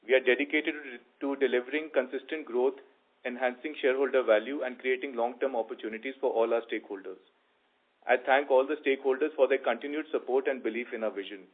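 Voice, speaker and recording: A man's voice: medium pitch, fairly even intonation, quick pace. Indian man on a tinny phone line. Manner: formal, reading prepared remarks. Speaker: company executive. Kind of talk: scripted formal earnings call remarks. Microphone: conference call line.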